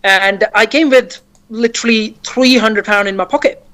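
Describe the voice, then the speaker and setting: A man's voice: sits high, normal speed, pushed and bright. A man from Afghanistan, a property investor guest on a radio show, talking fluently and upbeat about his business. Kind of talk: casual interview.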